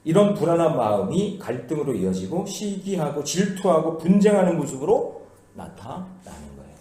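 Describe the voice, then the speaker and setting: A man preaching a sermon as pastor, lively and playful, acting out the voices of the people he quotes. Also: fairly high pitch, moderate pace. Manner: animated, acts out quoted voices in casual speech. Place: church sanctuary. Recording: echoey church hall.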